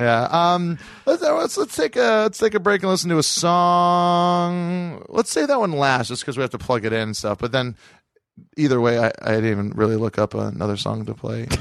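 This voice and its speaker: A man speaks at a moderate pace in a fairly high voice, sounding animated as his pitch swings very widely. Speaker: podcast host. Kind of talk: casual banter, comedic chat. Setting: studio. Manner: animated, joking.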